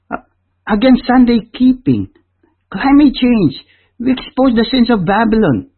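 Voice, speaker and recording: A man from the Philippines with a Filipino accent, preaching a sermon, whose first language is Tagalog. He speaks emphatically, with loud high stresses that drop low at the ends of phrases. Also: husky. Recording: tinny phone-like audio.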